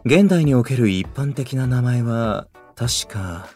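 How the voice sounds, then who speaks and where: A man's voice: mid-range voice, lively intonation, takes it slowly, a little mellow. A man playing a young idol in a voice drama who speaks in formal, archaic, literary Japanese. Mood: calm, thoughtful. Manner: formal, old-fashioned, scholarly wording. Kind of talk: anime-style voice drama acting. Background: music.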